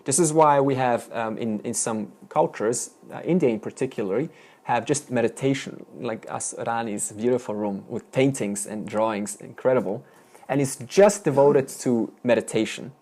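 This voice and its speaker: A man's voice: mid-range voice, normal speed, darkish tone. A man teaching a Vedanta class, explaining step by step and putting questions to his students. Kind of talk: classroom lecture.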